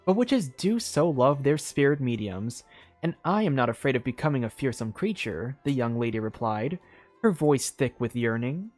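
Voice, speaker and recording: Expressive game streamer reading over music. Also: medium pitch, moderate pace. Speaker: game streamer reading in-game story books aloud. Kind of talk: storybook read-aloud with casual asides.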